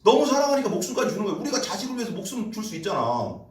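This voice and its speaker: Animated male pastor preaching in an echoey church. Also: sits high, very fast. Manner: emphatic, rhetorical questions, mixes formal and casual speech. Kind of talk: sermon. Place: church sanctuary. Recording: echoey church room, voice from a distance.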